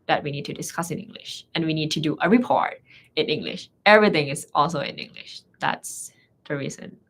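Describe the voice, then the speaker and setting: A young woman with a Thai accent, a native Thai speaker, chatting casually in halting non-native English. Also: sits low, animated, husky. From Thailand. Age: young adult. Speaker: guest, medical trainee. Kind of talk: casual chat.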